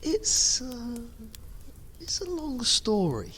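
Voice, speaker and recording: A man playing a frightened, freezing fugitive wanderer in an audio drama, halting and melodramatic. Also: very high-pitched, wildly swooping pitch, a bit bright, exaggerated voice. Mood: relieved, weary. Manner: halting, breathy, melodramatic exclamations. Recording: noisy background ambience.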